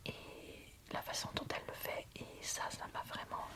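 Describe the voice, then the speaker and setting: A woman whispers in a breathy, unvoiced ASMR style, speaking informally and frankly as she reads and reviews books. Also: normal speed. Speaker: book reviewer.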